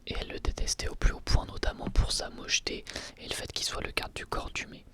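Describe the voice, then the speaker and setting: An ASMR creator whispering an episode review, hesitant and full of fillers and restarts. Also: a little fast. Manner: soft, breathy whisper throughout.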